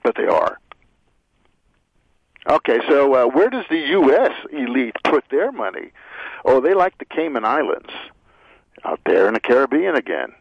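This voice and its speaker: A man giving unscripted radio commentary, halting and full of filler sounds, cynical about politicians. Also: medium pitch, sing-song, creaky, breathy edge, no room sound. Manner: halting, many filler "uh"s, rambling. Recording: dry muffled radio audio.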